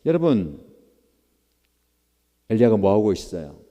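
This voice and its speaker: A man's voice: lowish voice, very animated, measured pace, mellow. A man preaching a sermon at a church prayer meeting, acting out prayers and quotes with rising emphasis. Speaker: pastor. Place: church sanctuary. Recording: long church hall reverb.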